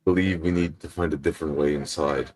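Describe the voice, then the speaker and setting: A man's voice: very deep voice, steady tone, brisk, a little mellow. A man speaking as a player in a tabletop roleplay game, in character and describing actions.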